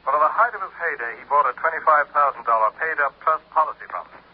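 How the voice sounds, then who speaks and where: An actor playing a businesslike insurance company executive in a 1950s radio drama. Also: male voice, on the high side, husky. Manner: brisk, businesslike. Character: brisk insurance company executive, adult man. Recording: dull old radio recording with faint noise.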